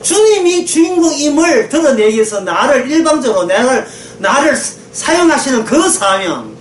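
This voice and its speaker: A woman preacher with a high voice delivers an emphatic sermon, swinging widely in pitch as she pushes rhetorical questions at her listeners. She is recorded from some distance in an echoey room with faint ambience behind her. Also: big pitch swings, moderate pace, slight background noise. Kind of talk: sermon lecture.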